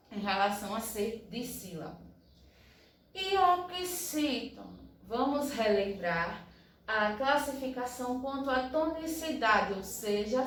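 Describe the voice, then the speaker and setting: A patient woman teacher talks slowly and carefully to young pupils, sounding each syllable apart. Her voice sits a little high and rings around a very echoey room, picked up from some distance. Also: a bit bright, a little hiss or hum. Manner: slow, patient, spells out syllables one by one. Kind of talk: recorded primary-school review lesson.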